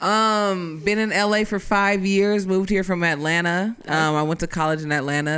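A woman with a normal speaking voice at a moderate pace, with hardly any pauses, ordinary pitch variation and very even loudness on a very clean recording with a silent background. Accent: American. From US West Coast (Bay Area, Fairfield). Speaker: stand-up comedian and actress. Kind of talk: casual chat.

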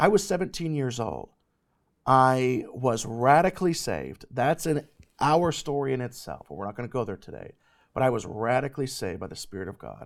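A man's unremarkable speaking voice, fairly quick, with lively intonation, in a very clean recording with a silent background. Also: medium pitch for a man. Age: 30s. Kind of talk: ministry talk show, testimony.

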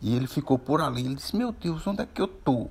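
A man speaks at a fairly quick pace in a warm, animated tone. His pitch swings very widely. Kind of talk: bedtime story telling to children. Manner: warm, animated storyteller who plays out characters' voices and asides.

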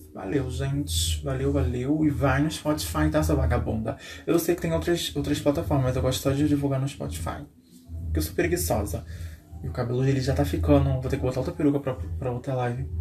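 Over music in the background, a man speaks at a fairly quick pace with a very deep, low pitch and very wide pitch swings. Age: 20s. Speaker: podcast host. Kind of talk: autobiographical casual monologue. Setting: recorded Instagram live video. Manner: halting.

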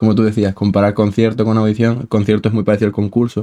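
Talking at a very fast pace, a man is heard. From Spain. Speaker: bassoonist, music master's student. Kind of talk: casual chat.

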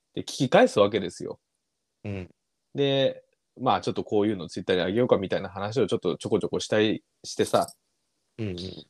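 A man with a fairly low pitch and ordinary pitch variation talks at a very fast pace, broken by long, frequent pauses and big swings in loudness. The recording is very clean with a silent background and a dry, close sound with no echo. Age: 30s. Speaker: podcast co-host, office worker. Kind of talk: casual chat.

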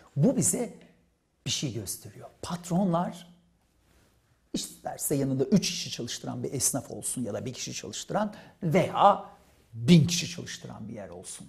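Speaking at a fairly slow pace, a man uses a fairly high pitch with very wide swings and vocal fry. His tone is animated, and his loudness swings widely. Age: 50s. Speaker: economics commentator. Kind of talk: political commentary monologue.

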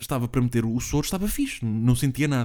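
A man with a dark, mellow tone speaks at a fairly quick pace, his pitch swinging very widely. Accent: European Portuguese. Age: 20s. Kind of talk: casual monologue. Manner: animated.

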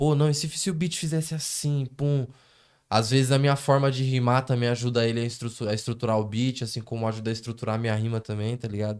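Over a silent background in a very clean recording, a man with a medium pitch speaks very fast with fairly even intonation. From São Paulo, Brazil. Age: 20s. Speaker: rapper. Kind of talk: casual chat.

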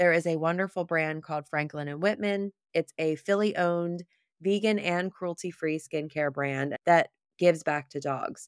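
A woman with an American accent speaks at a moderate pace in a fairly low pitch with fairly even intonation, a plain, everyday voice, in a very clean recording with a silent background and a dry, close sound with no echo. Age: 30s. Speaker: podcast host, event planner. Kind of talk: solo podcast monologue.

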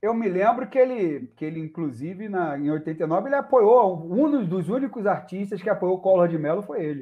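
A high-pitched man at a moderate pace, with lively intonation. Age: 40s. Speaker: podcast host. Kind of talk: casual political discussion. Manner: halting.

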